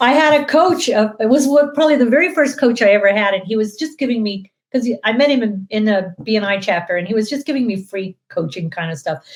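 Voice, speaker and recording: Somewhat breathy and fairly high-pitched, a woman talks very fast with very wide pitch swings. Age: 60s. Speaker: entrepreneur. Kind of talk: casual chat.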